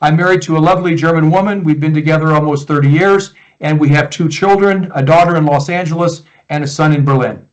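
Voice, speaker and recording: A man in his sixties with an American Midwest accent, a guest coach answering interview questions in a relaxed, reflective way over a video call. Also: fairly high pitch, fast talker, few pauses, low-quality recording. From United States, Iowa. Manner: relaxed, reflective, with frequent restarts.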